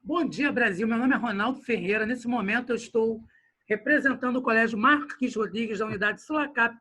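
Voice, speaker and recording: A man's voice: very high voice, bright, forceful tone, heavily acted. A man putting on a jokey male blogger persona with mock sales patter over a video call.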